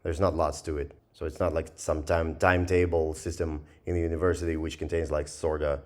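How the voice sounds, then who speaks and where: A man giving a casual, rambling software review, thinking aloud in a hesitant and sardonic way as he goes. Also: rumbling low, level tone, fairly quick. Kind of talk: casual screen-recorded review commentary.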